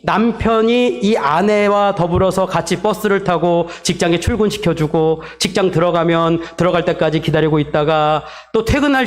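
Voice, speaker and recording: A male pastor preaching a sermon, telling a story to his congregation and acting out the quoted lines in a softer voice. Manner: storytelling, acts out quoted dialogue in softer lower tones; addresses the congregation directly, asks for amens.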